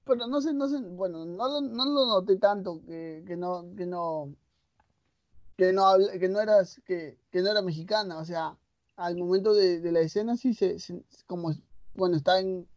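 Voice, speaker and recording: A man's voice: high voice, normal speed, a little mellow, no echo. A man from Latin America hosting a podcast interview, asking questions in a curious, easygoing way. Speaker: podcast host. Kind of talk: casual interview. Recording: dry, dull lo-fi recording.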